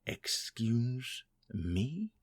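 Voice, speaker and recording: A man playing a haughty, vengeful vampire lord in an audio drama, husky and pompous. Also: medium pitch, big pitch swings, no room sound, full character voice. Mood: indignant. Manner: pompous, imperious, slow and deliberate. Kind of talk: scripted audio drama acting.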